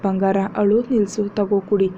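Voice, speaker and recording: A woman's voice: medium pitch, fairly even intonation, moderate pace, close to an everyday voice. A woman doing a devoted protective young husband. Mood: comforting. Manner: firm and scolding, then soft and tender. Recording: dull lo-fi recording, faint hiss.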